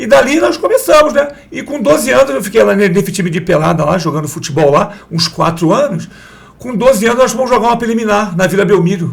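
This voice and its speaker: A man talks at a very fast pace in a high pitch, his pitch swinging very widely. Noticeable background noise runs underneath. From Brazil, São Vicente (São Paulo coast). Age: 60s. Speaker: physical education professional, former goalkeeper. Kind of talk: interview.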